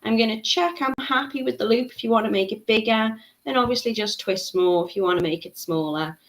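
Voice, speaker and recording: A woman's voice: fairly high pitch, brisk, low-quality recording. A woman, giving a live craft tutorial, chatting and laughing as she reads out viewer comments. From Liverpool, England. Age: 30s. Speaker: beading tutor.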